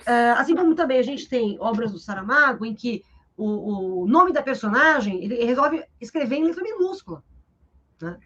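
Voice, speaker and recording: At a normal pace, a Brazilian woman literature teacher with a fairly high-pitched voice explains a book in a live interview. She's lively, speaks with a Brazilian Portuguese accent, and frequently adds a questioning "né?". Her audio is dull and lo-fi, typical of a streaming webcam.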